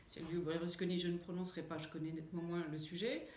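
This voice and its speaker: French woman author, interview guest, halting answers full of fillers, roomy echo. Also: lowish voice, flat delivery, a little mellow. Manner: hesitant, many fillers and restarts. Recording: echoey room.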